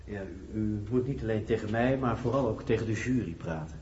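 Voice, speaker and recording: An actor playing a formal lawyer questioning a witness in a radio courtroom drama. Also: male voice, fairly low pitch, fairly quick, darkish tone, close to an everyday voice. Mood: formal, inquiring. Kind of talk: radio docudrama courtroom acting. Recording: echoey hall, muffled, faint noise.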